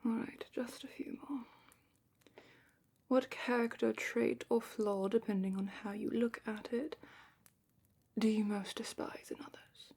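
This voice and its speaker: A woman playing a calm, attentive dragon matchmaker in a slow, whispered ASMR roleplay with thoughtful pauses. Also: on the high side, heavily acted. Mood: calm, curious. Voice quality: breathy, whispery. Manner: slow, gentle, thoughtful questioning with murmured pauses. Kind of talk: soft-spoken ASMR roleplay, largely whispered.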